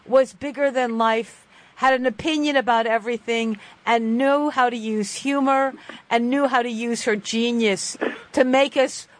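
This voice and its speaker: A woman radio host who reads a poem slowly and solemnly. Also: fairly high pitch, no echo. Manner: reads the poem slowly and solemnly, then talks emotionally and warmly to the guest. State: tearful. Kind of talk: radio talk show, poem reading then interview. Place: radio studio.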